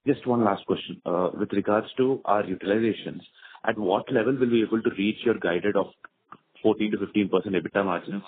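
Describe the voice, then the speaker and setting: A man's voice: on the low side, brisk. A man with an Indian accent asking insistent analyst questions on an earnings conference call. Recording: noisy narrowband phone line.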